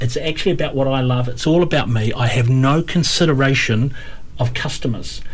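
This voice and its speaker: A man's medium-pitched voice at a fairly quick pace, with ordinary pitch variation, audible room echo and noticeable background noise. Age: 50s. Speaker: business lecturer and mentor. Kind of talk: interview. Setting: radio studio.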